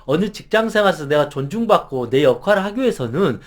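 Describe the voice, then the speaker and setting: A middle-aged man lecturing as a counselor, earnest and emphatic. His voice is fairly high for a man. His intonation rises and falls in wide sweeps. He acts out example phrases along the way. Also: sing-song, fast. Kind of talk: advice lecture to camera.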